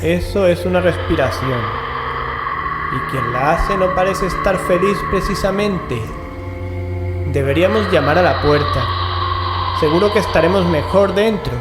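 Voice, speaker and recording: An actor playing an assured, sceptical investigator with a Castilian Spanish accent in an audio horror drama. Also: male voice, high-pitched, a little slow. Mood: composed, dismissive. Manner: assured, matter-of-fact. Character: composed, rational male investigator, sceptical and curious. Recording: echoey, music underneath.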